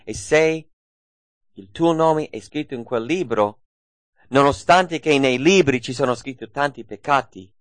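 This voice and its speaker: A man's voice: medium pitch, no echo. Emphatic male preacher with dry sound. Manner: emphatic, repeats key phrases, asks rhetorical questions. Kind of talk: sermon.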